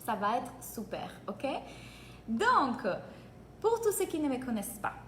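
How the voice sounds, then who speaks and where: A woman from Italy with an Italian accent, giving an energetic live-streamed coaching session in French and greeting viewers by name. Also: fairly high pitch, measured pace, a little hiss or hum. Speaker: business coach. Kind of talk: live-streamed free training. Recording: echoey room, faint ambience.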